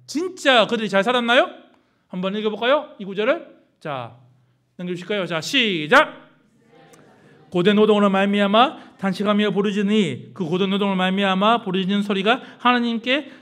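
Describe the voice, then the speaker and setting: A middle-aged male pastor preaching a sermon, asking the congregation constant questions and swinging from hushed lines to loud exclamations. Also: sits high, animated, a little fast. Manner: call-and-response preaching with many questions to the congregation.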